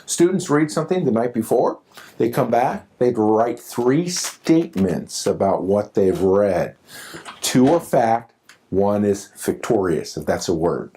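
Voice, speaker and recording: A man's voice: fairly low pitch, sing-song, measured pace, mellow, slight background noise. A man facilitating a teacher training workshop in a classroom, who says "okay" and "as far as" again and again. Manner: repeats "okay" and "as far as" often.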